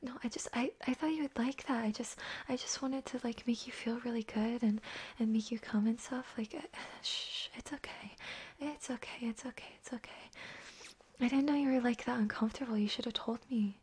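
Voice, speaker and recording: A young woman performing a whispered audio roleplay, voicing an anxious, apologetic young woman who soothes a crying partner in hushed, repetitive murmurs. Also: a little high, steady tone, a little fast, slightly rough. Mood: hushed, soothing.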